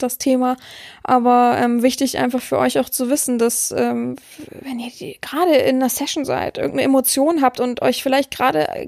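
High, gravelly-voiced woman podcaster. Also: a little mellow, dry recording, clean studio sound. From German-speaking region. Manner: chatty, frank, many fillers and restarts. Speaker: podcast host, dominatrix. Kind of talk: casual monologue podcast.

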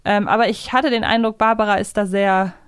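A woman's voice: mid-range voice, steady tone, a little fast, smooth, dry recording, clean studio sound. A woman co-hosting a podcast in a casual discussion style. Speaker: podcast co-host.

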